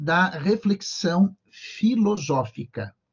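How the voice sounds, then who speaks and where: Pitched high, a man talks with lively intonation. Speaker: university professor. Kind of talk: online lecture. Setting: video conference class.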